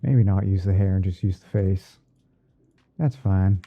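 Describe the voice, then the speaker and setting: A man playing a gentle, easygoing TV painting instructor in a halting, murmured ASMR livestream roleplay. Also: low voice, breathy edge, phone-quality sound, heavily acted. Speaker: livestream host. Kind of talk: ASMR roleplay livestream while editing images.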